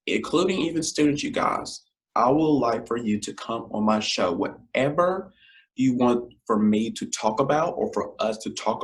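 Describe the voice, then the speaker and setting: A man hosting his own podcast, closing an episode in a loose, rambling way, full of fillers and talk to "you guys." His voice is scratchy and deeper than usual because he is feeling unwell. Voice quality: deep, scratchy voice. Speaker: podcast host. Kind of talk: casual solo podcast outro.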